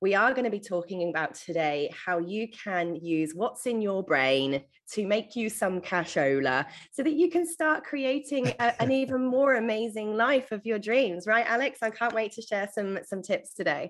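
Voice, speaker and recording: A woman talks at a moderate pace with hardly any pauses, her fairly high voice making very wide pitch swings. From England. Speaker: online course creator and entrepreneur. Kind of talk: casual interview. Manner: upbeat, encouraging.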